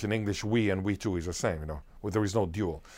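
A man speaks at a fairly low pitch with an Israeli accent. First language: Hebrew. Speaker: linguistics professor. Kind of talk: interview. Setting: video call.

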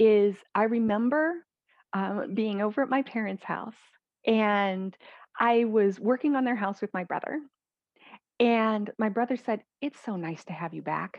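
Speaking in a Midwestern American accent, a woman has a fairly high pitch. She talks at a fairly slow pace with ordinary pitch variation. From US Midwest. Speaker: business coach. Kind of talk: interview conversation.

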